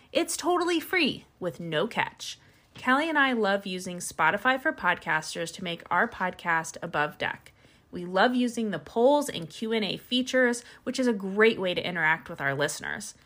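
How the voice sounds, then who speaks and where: A woman's voice: medium pitch, pushed and bright. An American woman co-hosting a podcast, moving between scripted intro and casual chat. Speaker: podcast co-host.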